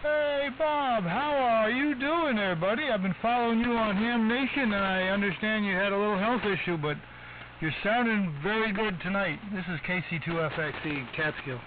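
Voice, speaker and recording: A muffled AM radio signal with heavy static carries an older American man. His voice sits fairly high, and he talks in a folksy, chummy way, like a casual ham radio operator. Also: normal speed. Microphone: ham radio transmission.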